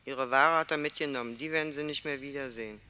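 An actor playing a plaintive letter writer in a radio play, reading the letter out. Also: male voice, mid-range voice, fast, pushed and bright, smooth. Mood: plaintive, reproachful.

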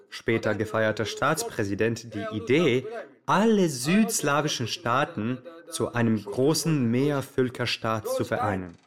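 An actor playing a theatrical male radio show presenter who narrates dramatically and addresses listeners directly. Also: mid-range voice. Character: Yugo Slaven, flamboyant male Yugoslav radio presenter.

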